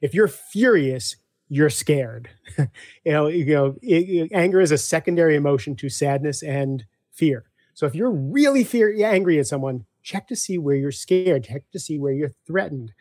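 A man speaking as a guest coach in a casual interview, animated, acting out back-and-forth dialogues with clients. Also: on the high side, moderate pace, no room sound, studio quality.

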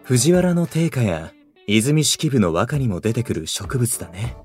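Refined young male idol, formal and scholarly with antique wording, voice drama over soft music. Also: mid-range voice, very animated, unhurried. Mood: calm, thoughtful. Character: young man idol who speaks archaic, literary, refined Japanese. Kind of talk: anime-style voice drama acting.

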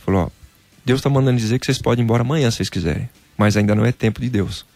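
A Brazilian former footballer shares a personal faith story in a casual interview, speaking animatedly and sprinkling in "cara." His mid-range voice is gravelly and racing, recorded dry with soft music in the background.

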